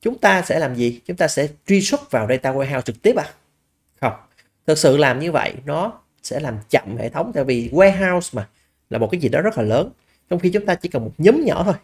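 A man's voice: on the high side, big pitch swings, brisk, slightly rough. A man lecturing over slides as a business analysis instructor, explaining step by step, asking rhetorical questions and using fillers along the way.

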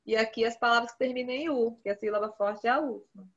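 Brazilian woman, high voice, patient grade-school teacher on a slightly muffled video call. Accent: Brazilian Portuguese. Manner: patient, repeats key words slowly for children. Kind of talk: online class instruction.

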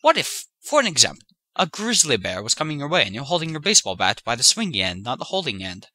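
A man playing an earnest, self-important crackpot inventor in a comedy audio sketch, defensively pitching his ideas. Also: wildly swooping pitch, quick pace, bright, forceful tone, dry recording, exaggerated voice. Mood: eager pitching. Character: earnest, defensive crackpot inventor and ice cream truck driver.

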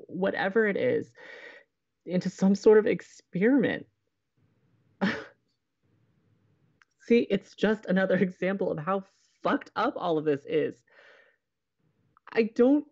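A woman playing an anxious, stubborn young college radio host in an audio drama, with a flustered, halting, emphatic way of talking. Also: medium pitch, gravelly, a little mellow, slightly rough, muffled recording, heavily acted. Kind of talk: naturalistic audio drama acting.

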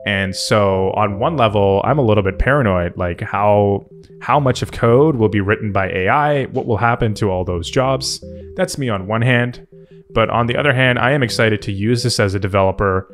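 A man's voice: on the low side, moderate pace. A man hosting a tech video, giving casual off-the-cuff commentary in a hesitant, thinking-aloud manner. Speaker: tech video host and software developer. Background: background music.

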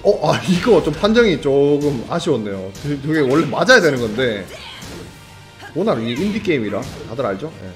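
Excitable man calling a fighting match. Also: fairly high pitch, faint music behind. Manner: excitable, chatty, jokes with viewers, quick reactions. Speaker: esports commentator. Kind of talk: live fighting game commentary.

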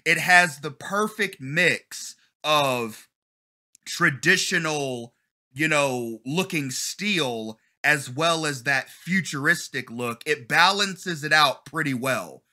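Male reactor, 30s, very bright forceful voice, slightly high, enthusiastic slang and exclamations. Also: slow. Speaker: host of a trailer reaction channel. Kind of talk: casual excited reaction commentary. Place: small bedroom at home. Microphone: desk condenser mic with pop filter.

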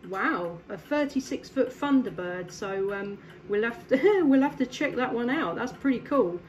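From her home station, a woman from England chats casually over CB radio with a distant contact, laughing often and filling gaps with ums. Her fairly high-pitched voice is expressive and unhurried, and her manner is friendly. Background noise can be heard.

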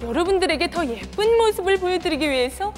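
A woman in her twenties presenting a parody news segment from a studio desk, brisk with jokey asides. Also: extremely high pitch, animated, over music. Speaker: mock news anchor. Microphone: lapel mic.

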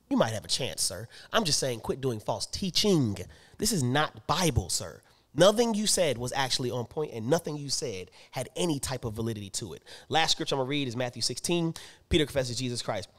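A man co-hosting a laid-back theology podcast, reading scripture and then jumping in with his own commentary. His voice swings widely in pitch and climbs into loud, emphatic, preacher-like bursts. He laughs easily and talks in a relaxed, conversational way. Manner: reads scripture aloud then riffs on it. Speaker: podcast co-host. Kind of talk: casual theology podcast talk.

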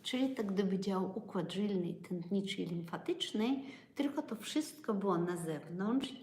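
A woman's voice: medium pitch, a little mellow. Lady talking live into her phone, chatty, asks viewers stuff, roomy echo. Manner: chatty, asks the audience questions. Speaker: livestream host, acupuncture educator. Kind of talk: casual live-stream talk to viewers.

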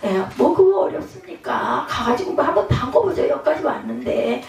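A woman pastor preaching a sermon in a lively, dramatic way, often acting out the voices she quotes. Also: high-pitched, normal speed, gravelly. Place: church sanctuary. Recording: echoey church hall, mic at a distance.

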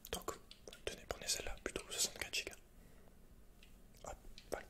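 A young man with a French accent, whispering hesitantly and softly in a breathy ASMR roleplay as an awkward, introverted computer shop keeper. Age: young adult. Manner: hesitant, halting, soft-spoken. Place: indoors, dark backdrop. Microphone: close microphone.

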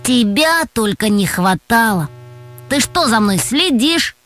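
A woman's voice: a little high, very animated, normal speed, fairly bright tone. A woman voicing a cheeky schoolboy in a children's audio tale, sarcastic and mocking. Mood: teasing. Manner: teasing and sarcastic. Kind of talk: audiobook character voice.

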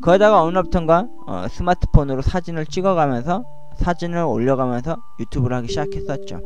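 A man in his forties with a slight lisp and slurred diction, speaking slowly and haltingly into a cheap microphone, with many fillers and pauses. His voice sits a little high. Background music plays clearly under him the whole time. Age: 40s. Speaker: YouTuber. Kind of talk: personal monologue over music. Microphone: cheap microphone at home computer. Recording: music playing behind voice.

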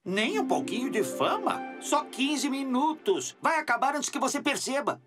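Eager young helicopter robot, hugely animated, naive, cartoon dub, music behind. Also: male voice, extremely high pitch, moderate pace. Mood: pleading, nervous. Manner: excitable, pleading.

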